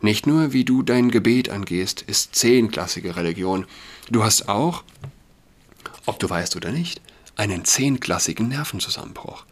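A man voicing a sharp-tongued young man lecturing his sister in an emphatic, impatient way, reading a novel aloud. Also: on the low side, expressive, normal speed.

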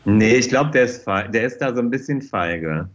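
A man's voice: medium pitch, animated, normal speed, highs cut off. A middle-aged man speaking as a guest in a casual podcast interview, chatty and often repeating his phrases. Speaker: interview guest, fashion designer.

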